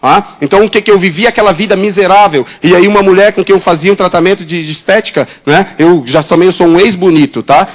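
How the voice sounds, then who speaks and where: A man with a Brazilian Portuguese accent preaching a sermon as a pastor, full of rhetorical questions and quick mimicry of other people's voices. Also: high voice.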